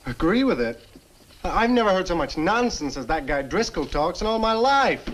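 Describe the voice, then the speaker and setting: Lighter-voiced, animated young boyfriend. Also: male voice, high-pitched, normal speed, slight background noise, poor audio. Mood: exasperated. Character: pleading, dismissive young boyfriend, a science student. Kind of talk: 1960 horror film acting.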